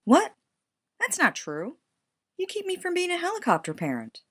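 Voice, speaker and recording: A woman's voice: extremely high pitch, wildly swooping pitch, moderate pace, a bit bright, full character voice. A woman playing a pedantic, earnest, anxious college student in an audio comedy, with a precise, wordy way of talking. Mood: sincere, pleased. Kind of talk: audio drama romantic comedy dialogue.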